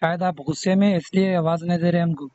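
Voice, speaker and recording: A man's voice: high voice, level tone, fast talker, darkish tone, no room sound. A young man with a Hyderabadi accent, talking politely and persistently in an informal phone conversation. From Hyderabad, India. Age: young adult. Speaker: phone caller questioning an official. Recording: dull lo-fi phone call recording.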